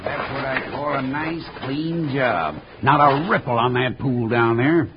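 A man's voice: mid-range voice, measured pace, natural voice. A man playing a cold-blooded, scheming outlaw with an American Western accent in an old radio western. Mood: smug. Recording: dull old radio recording, faint noise.

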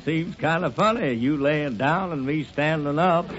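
An actor playing a hard-drinking older country pappy, an unabashed joker with a slow comic drawl, in 1930s radio comedy. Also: male voice, on the high side, background noise, lightly acted. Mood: tipsy, joking. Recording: muffled old radio recording, faint audience.

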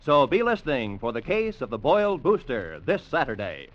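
List: man, radio announcer, playful, lively pitch, dull old broadcast sound. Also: normal speed, background noise. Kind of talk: scripted announcement.

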